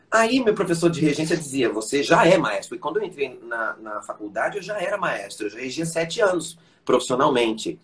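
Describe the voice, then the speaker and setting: A man, a voice teacher and conductor, telling stories as the guest in an interview and acting out the voices of the people he quotes. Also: on the high side. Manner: animated storyteller who acts out quoted voices. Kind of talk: live-stream interview storytelling.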